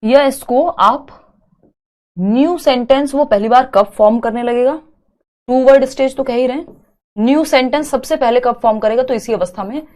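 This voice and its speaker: Higher-pitched woman teaching an online class. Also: a little mellow. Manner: explains step by step, repeating key terms slowly. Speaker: online exam-prep teacher. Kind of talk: live online class lecture.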